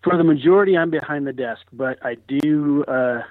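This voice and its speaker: A man heard over a phone line, a guest on an interview, talking in an easygoing way with pauses and filler words. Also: a little high, dry recording. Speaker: podcast guest, landscape architect. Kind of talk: casual interview chat. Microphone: telephone. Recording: tinny dry phone line.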